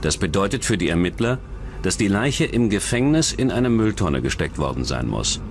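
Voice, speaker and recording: A man reading scripted true-crime documentary narration in a measured, serious manner. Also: low voice, sing-song, a little hiss or hum. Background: background music.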